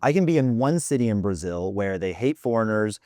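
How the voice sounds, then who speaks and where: Profane, animated male podcast host. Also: lowish voice, brisk, no room sound, studio quality. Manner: animated, profane, exaggerating for laughs. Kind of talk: casual chat.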